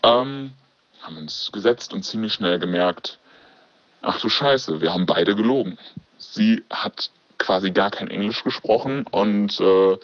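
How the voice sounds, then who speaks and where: Deep-voiced man telling a dry anecdote. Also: dry recording, lo-fi sound. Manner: dry, matter-of-fact storytelling with many fillers. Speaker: caller sharing a date story. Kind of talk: recorded anecdote, casual telling.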